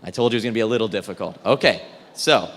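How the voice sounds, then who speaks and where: A man facilitating a theatre warm-up exercise for a room of people, upbeat and jokey as he gives instructions. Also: fairly low pitch, racing. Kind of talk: leading a group warm-up exercise for an audience. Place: large indoor event room with tables. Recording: echoey hall with long reverb.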